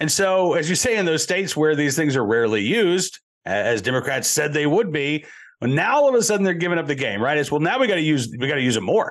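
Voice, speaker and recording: Against a quiet background, a man talks very fast with very wide pitch swings. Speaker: radio host. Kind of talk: talk radio interview with ad read. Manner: formal, polished broadcaster delivery.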